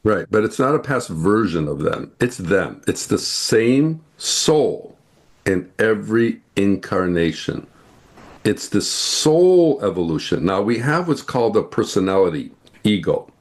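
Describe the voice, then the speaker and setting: A man from the United States, a guest in an interview, earnestly explaining ideas and slowing down to stress his points. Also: fairly low pitch, big pitch swings. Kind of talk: spiritual interview talk.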